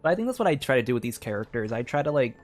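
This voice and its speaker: A man's voice: mid-range voice, big pitch swings, racing. Rambling male game streamer over music. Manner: hesitant, rambling, filler-heavy explanations. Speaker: streamer playing a game and voicing its dialogue. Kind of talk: casual livestream chat. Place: room at home.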